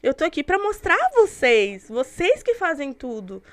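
A woman's voice: sits high, very animated, moderate pace, dry recording. A woman with a Rio Grande do Sul accent, talking bluntly in a casual chat, rambling and repeating herself. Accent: Rio Grande do Sul Portuguese. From Rio Grande do Sul, Brazil.

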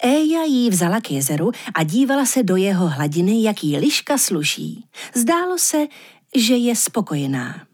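A woman narrates an audiobook fairy tale in a middling voice. Her storytelling is lively and expressive, with plenty of rise and fall as the tale unfolds. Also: mid-range voice, slightly rough.

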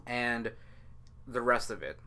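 A man's voice: mid-range voice, takes it slowly, sharp tone. A young man chatting casually about anime, explaining in a rambling, repetitive way. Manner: rambling, repeats phrases while explaining.

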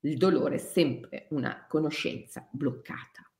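A woman teaching shamanic yoga in a spiritual talk, emphatic and repetitive, laughing softly between phrases. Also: sits low, measured pace. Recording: echoey room.

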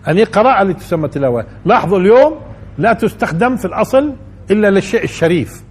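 شيخ بلهجة شامية، صوت مبحوح فيه حدة خفيفة، أسلوب تعليمي تكراري يخاطب المستمعين. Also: male voice, high voice, big pitch swings, very fast, slightly rough. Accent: Levantine Arabic. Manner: explains by repeating phrases and asking the audience questions. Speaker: religious teacher. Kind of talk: Quran commentary lesson.

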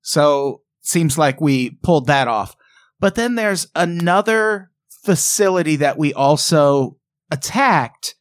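A man's voice: a little high, lively intonation, takes it slowly, no echo, clean studio sound. A man co-hosting a podcast, talking in a sarcastic, wry, casual way. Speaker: podcast co-host. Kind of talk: casual comedic chat.

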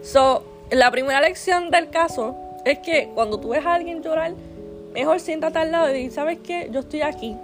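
A young woman talks straight to her viewers, chatty and earnest, circling back on her words with restarts and fillers. Her voice sits a little high. Faint music plays quietly underneath. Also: normal speed. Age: 20s. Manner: earnest, faith-minded advice giver. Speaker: vlogger. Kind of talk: casual personal storytelling.

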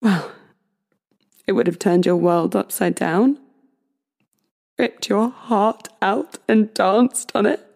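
A wounded, bitter woman in an audio drama. Her voice is husky and mid-pitched, and she speaks slowly, with an emotional, accusing edge. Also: darkish tone. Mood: anguished, bitter. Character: hurt, bitter woman confronting her cousin over betrayal.

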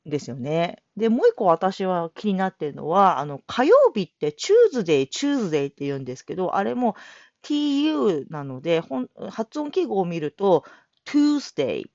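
A woman's voice: medium pitch, sing-song, brisk, a little mellow, no echo. A woman hosting her own casual solo talk show, chatty and self-deprecating, laughing often as she rambles. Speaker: solo audio show host. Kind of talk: casual spoken monologue. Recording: dull lo-fi dry recording.

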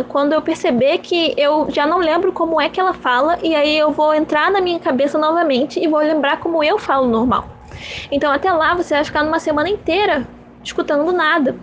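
A woman's voice: high voice, dull audio, a little hiss or hum. A young woman hosting her own podcast, musing and rambling in a self-mocking, repetitive way. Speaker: podcast host. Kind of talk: casual rambling monologue.

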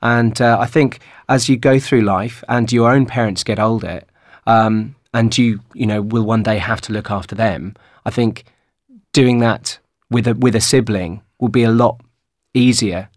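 Measured man with a lowish voice. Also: fairly even intonation, no room sound, clean studio sound. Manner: measured, with pauses. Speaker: discussion participant. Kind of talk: unscripted discussion.

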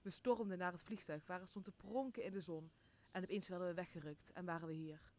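Casting: bewildered crewman played by a man, high youthful-sounding pitch, eager and earnest, for a radio play. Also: steady tone, brisk, slight background noise. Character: excited, bewildered aircraft crewman. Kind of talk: stage-like radio drama acting.

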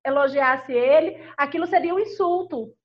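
Female, high-pitched, Brazilian accent, conversational storyteller in a discussion, slightly dull lo-fi audio. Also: normal speed, a crowd in the background. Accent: Brazilian Portuguese. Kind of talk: conversational discussion with personal anecdotes.

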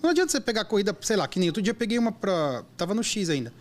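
A man tells driving stories at a fast clip. His voice is fairly high and swings widely in pitch as he acts out what people said, like a lively storyteller. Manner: animated storyteller, acts out quotes. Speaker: app driver. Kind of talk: casual chat.

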